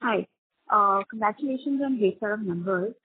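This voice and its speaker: A woman's voice: mid-range voice, moderate pace, a little hiss or hum. A woman calling in to ask unscripted questions on an investor conference call. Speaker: caller asking questions. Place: telephone call. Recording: muffled narrow phone line.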